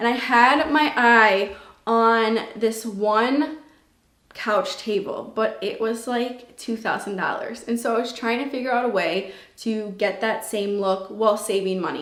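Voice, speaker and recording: With a Wisconsin accent, a woman speaks at a fairly slow pace in an animated tone, her fairly high pitch showing ordinary variation amid audible room echo. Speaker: home decor vlogger. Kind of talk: home tour vlog.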